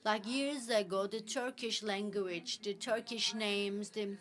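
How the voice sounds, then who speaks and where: A woman giving live English interpretation of a panel discussion, halting, with frequent "actually" fillers. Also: medium pitch, steady tone, fairly bright tone. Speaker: simultaneous interpreter.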